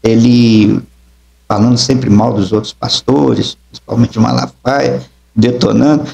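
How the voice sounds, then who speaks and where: A man's voice: medium pitch, steady tone, unhurried, vocal fry, darkish tone. A middle-aged man, an apostle and preacher, telling his testimony emphatically in an interview and acting out the dialogue. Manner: emphatic storytelling, acts out dialogue.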